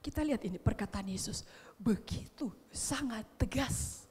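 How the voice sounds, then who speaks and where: A woman with an Indonesian accent preaching a sermon, who retells a story with dramatic cries and then drops to a soft, hushed voice. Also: a little high, lively intonation, normal speed, breathy edge. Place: church sanctuary. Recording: long church hall reverb.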